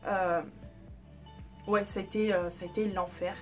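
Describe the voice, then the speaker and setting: A woman's voice: mid-range voice, fairly even intonation, normal speed, faint music behind. A young woman telling a candid personal story in a casual vlog, chatty with lots of fillers and the odd swear word. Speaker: vlogger.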